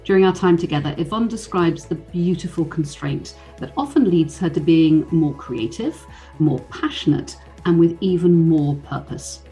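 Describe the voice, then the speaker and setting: A woman hosts a podcast in a warm, encouraging way, her voice sitting fairly low. She reads a polished intro, then slips into relaxed chat with plenty of ums. Soft music runs faintly behind her. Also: moderate pace. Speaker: podcast host. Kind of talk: scripted intro, then casual interview.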